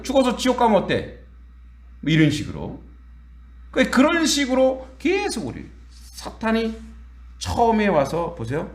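A man preaching a sermon as pastor, in a conversational, animated way with quoted dialogue and laughter. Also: sits high. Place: church sanctuary. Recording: echoey church hall.

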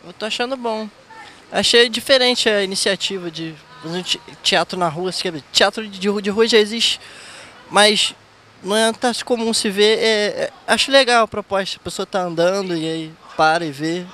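A young man from Rio with a Carioca accent, his voice high and bright. He answers a reporter hesitantly, restarting words, with faint traffic behind. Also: normal speed. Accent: Carioca Portuguese. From Rio de Janeiro. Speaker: passerby interviewee.

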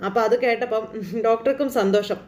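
Fast-talking woman recapping a serial. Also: fairly high pitch, darkish tone, reverberant. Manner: chatty, loose storytelling with many fillers and tag words. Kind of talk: casual retelling of a TV serial episode.

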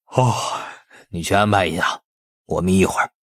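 A man's voice: low voice, moderate pace, fairly bright tone, dry recording, clean studio sound, voice pushed down. A man voicing a calculating, risk-taking police boss in audiobook dialogue.

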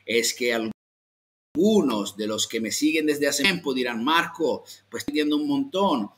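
Italian male language teacher, mid pitch, online beginner lesson, slow modeled phrases. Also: animated, fairly bright tone. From Italy. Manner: slow, exaggerated model pronunciations for repeating.

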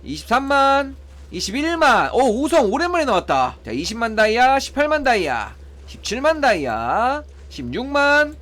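Man, high voice, very animated pitch, gameplay commentary, excited play-by-play. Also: moderate pace. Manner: excited play-by-play, counting gacha results, pleading with the draws. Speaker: mobile game YouTuber.

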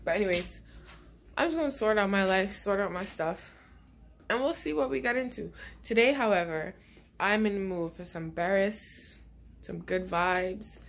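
A woman's voice: mid-range voice, moderate pace, vocal fry. Chatty woman with a stuffy head cold. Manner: chatty, rambling, laughs often. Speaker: vlogger. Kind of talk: casual vlog chat to camera. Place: small bedroom indoors.

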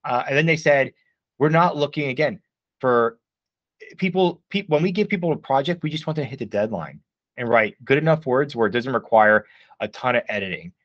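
A man's voice: medium pitch, animated, fairly quick, dry recording, dull audio. A man who is a guest, giving advice in casual live-stream chat, emphatic and filled with "like.". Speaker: guest, game writer.

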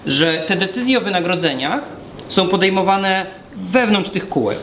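A man's voice: high voice, animated, moderate pace. A man in his thirties giving a talk at a whiteboard, explaining step by step while he draws, often restarting his words, recorded by a far camera in a small brick room. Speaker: guest speaker. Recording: echoey room from far off, noisy.

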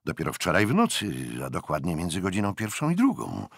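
A jovial young sea officer, voiced by a male reader, talking up a little brighter than the narration and swinging freely in pitch. Gravelly, husky texture, close and dry. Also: huge pitch swings, fairly quick, no room sound, exaggerated voice. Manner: cheerful, bantering. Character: hearty young naval officer, jovial and frank. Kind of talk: audiobook character voice.

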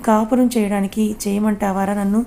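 A woman's voice: medium pitch, level tone, fairly quick, mellow, lightly acted. Woman reading as an angry young man. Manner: angry, blunt scolding. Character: young man, hot-tempered and troubled. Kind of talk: story read aloud.

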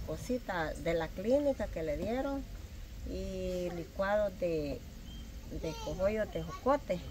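A woman's voice: on the low side, expressive, slow. Heartfelt mother, noisy background. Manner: heartfelt, recounts hardships. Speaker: guest. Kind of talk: casual conversation.

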